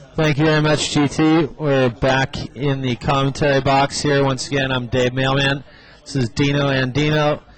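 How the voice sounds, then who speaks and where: Over noticeable background noise, a man with an American accent talks at a moderate pace and a fairly high pitch, his intonation monotone and flat and his loudness very even. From Southern California. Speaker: surf commentator. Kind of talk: live commentary. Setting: commentary box.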